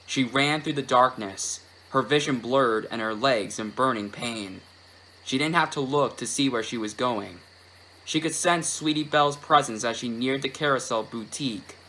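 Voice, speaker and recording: A man reading a scripted horror story in a hushed, creeping, dramatic and deliberate manner. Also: medium pitch, poor audio. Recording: faint background noise.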